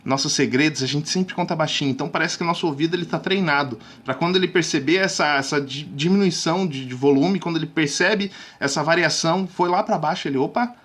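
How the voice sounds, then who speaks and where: A man with a fairly high voice coaches his viewers on speaking, casual and direct. He checks in with them often and sometimes sinks to a hush to make a point. His delivery is lively and conversational. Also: quick pace, hardly any pauses. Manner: lively, drops suddenly to near-whispers to show technique; chatty, addresses viewers directly with frequent "tá?". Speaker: communication coach. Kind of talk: casual video lesson.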